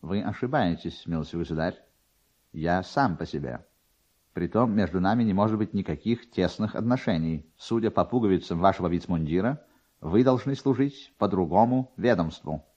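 A man voicing a haughty, pious nose dressed as a high official, speaking formally and curtly in a dramatic literary reading. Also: expressive, normal speed, a little mellow, muffled recording. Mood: cold, haughty. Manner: formal, curt, dignified. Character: haughty, pious nose in a state councillor's uniform.

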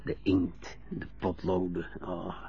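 An actor playing an old widower who haltingly confesses a guilt that haunts him, in a radio drama. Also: male voice, low voice, mellow, slightly rough, muffled recording, exaggerated voice. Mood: nostalgic. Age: older. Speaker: old man being helped to dress.

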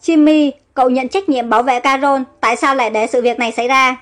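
A woman's voice: high voice, fairly even intonation, fast talker, a bit bright, soft background music. A woman voicing a stern, worried young businessman. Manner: stern, reproachful.

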